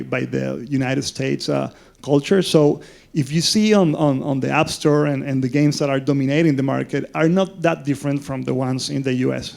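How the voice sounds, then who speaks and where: Panelist, Venezuelan-accented man, gravelly voice, halting with lots of uhs. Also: on the high side, a little mellow. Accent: Venezuelan Spanish. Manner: hesitant, many fillers and repeated words. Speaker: panelist, game studio founder. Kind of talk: conference panel talk.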